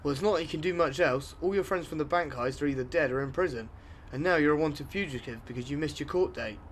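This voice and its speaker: A brisk vigilante ex-cop acted by a man in an amateur audio play. He rattles through his explanations in a slightly high male voice, pushy and matter-of-fact, with faint noise behind him. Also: close to an everyday voice. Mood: businesslike. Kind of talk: amateur audio drama acting.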